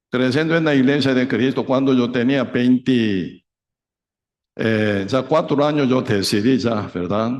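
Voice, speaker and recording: A middle-aged man with a Korean accent preaching a sermon in simple, broken Spanish, often adding tag questions and acting out scenes loudly. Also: mid-range voice, lo-fi sound. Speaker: pastor.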